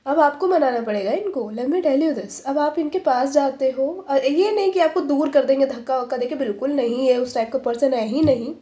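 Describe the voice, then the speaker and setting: A woman with a high but mellow voice gives a chatty tarot reading to camera. She keeps checking in with the listener and acts out both sides of an imagined couple's conversation. The recording has a noticeable echo from the room. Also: moderate pace, hardly any pauses. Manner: acts out imagined dialogue, switching voices for each side. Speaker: tarot reader. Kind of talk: casual intuitive reading to camera.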